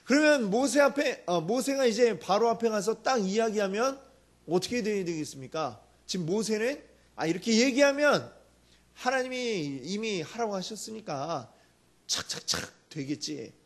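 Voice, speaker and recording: A male pastor preaching a sermon, telling a story with lively acted-out quotes and asking the congregation questions. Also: high-pitched, normal speed.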